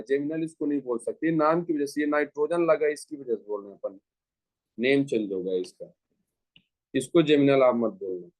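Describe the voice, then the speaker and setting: With no room sound at all, a man with a slightly high, slightly mellow voice teaches chemistry to a class. He takes students through every step, echoing his own phrases and asking questions he doesn't expect answered.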